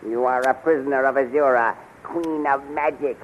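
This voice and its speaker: An actor playing a gloating villainous general and court magician in a 1930s radio serial, halting, muttering and imperious. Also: male voice, medium pitch, fairly even intonation, lightly acted. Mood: menacing. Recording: dull, noisy 1930s radio recording.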